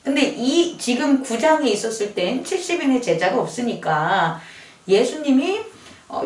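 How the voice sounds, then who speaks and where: Lively woman preaching in an echoey church. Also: high-pitched, far from the mic. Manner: animated, conversational preaching with rhetorical questions. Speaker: pastor. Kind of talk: sermon. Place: church sanctuary.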